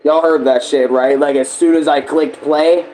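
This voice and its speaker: Male reaction host, slightly higher pitch, rambling, slangy, profane, casual commentary. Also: steady tone, moderate pace, a little mellow.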